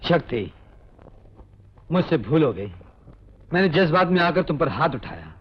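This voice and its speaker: An actor playing a proud young engineer and protective elder brother in an old film drama. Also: male voice, a little high, sing-song, fast talker, lo-fi sound. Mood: apologetic. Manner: earnest and dramatic, turning fierce. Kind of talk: 1980s film drama acting.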